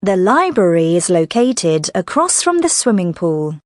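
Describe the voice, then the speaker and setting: Woman reading clearly, pitch moves a lot, dry close mic. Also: very animated, unhurried, no echo. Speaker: speaker in a listening exercise. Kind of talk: scripted sentences and answers.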